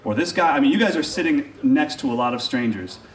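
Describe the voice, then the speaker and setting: Encouraging drum teacher, mic far off. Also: male voice, on the high side, fast talker. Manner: energetic, encouraging, joking. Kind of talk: live drum lesson teaching.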